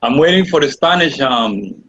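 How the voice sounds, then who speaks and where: A man's voice: medium pitch, lively intonation, normal speed, a bit bright, lo-fi sound. A man from Costa Rica on a group call, polite and hesitant with fillers. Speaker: call participant.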